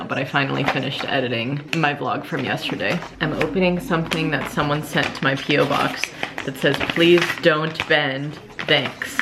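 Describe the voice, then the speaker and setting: A woman's voice: deep voice, vocal fry, heavy background noise. A young woman chatting casually to her vlog audience in an informal, giggly storytelling way. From Georgia, United States. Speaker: vlogger.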